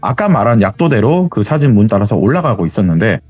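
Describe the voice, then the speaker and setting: Husky man animatedly telling a horror story. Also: on the low side, fast, dry recording, dull audio, soft background music. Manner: animated, acts out quoted dialogue. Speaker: guest storyteller. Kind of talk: casual spoken horror story.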